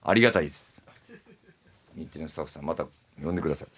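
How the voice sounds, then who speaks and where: A man co-hosting a radio show, talking in quick, laughing banter. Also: rumbling low, very noisy. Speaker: radio co-host. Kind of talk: casual radio chat.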